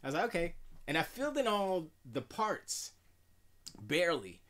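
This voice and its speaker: A middle-aged man with a deep voice, chatting casually and rambling in a self-deprecating way while streaming from his home music studio. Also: sing-song, normal speed, a bit bright. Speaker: music producer streaming live. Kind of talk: casual live-stream chat.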